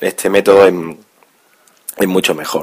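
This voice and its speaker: A man's very deep, low voice holds fairly even intonation and moves at a moderate pace. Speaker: podcaster starting a blog. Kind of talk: casual monologue. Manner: halting, many repetitions.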